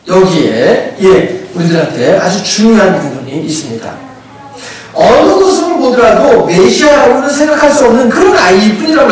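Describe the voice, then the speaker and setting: Brief: male pastor, conversational sermon, high voice, distant echoey sanctuary sound. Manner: conversational, asks rhetorical questions. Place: church sanctuary. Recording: echoey church hall, distant mic.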